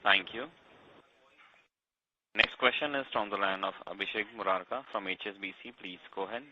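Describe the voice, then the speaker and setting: A man's voice: fairly low pitch, normal speed. A man moderating a conference call in a courteous, scripted way. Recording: muffled line with faint noise.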